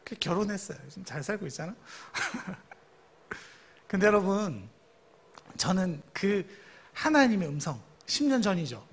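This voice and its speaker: A man's voice: sits high, very animated, measured pace, pauses often, husky. A man in his thirties, a youth pastor, preaching a sermon in a storytelling way and asking the congregation questions.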